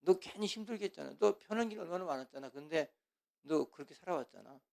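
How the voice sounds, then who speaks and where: A man voicing God as a calm, indulgent fatherly figure who chides gently and familiarly, within a sermon. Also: on the high side, fast talker, gravelly, voice pushed up. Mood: gently chiding.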